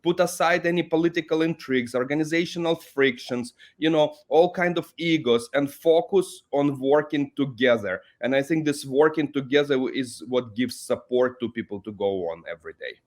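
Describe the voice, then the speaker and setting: A man from Ukraine, whose first language is Russian, answers interview questions in English. His voice sits at an ordinary middle pitch. He talks in a deliberate, earnest manner, repeating and restarting phrases as he thinks. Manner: deliberate, earnest, with frequent restarts and "you know". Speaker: professor, interview guest.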